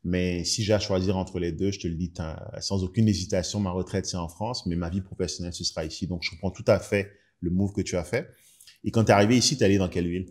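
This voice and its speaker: A man hosting a podcast, interviewing a guest with quick questions and brief agreeing asides. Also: deep voice, fairly even intonation. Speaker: podcast host. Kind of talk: interview conversation.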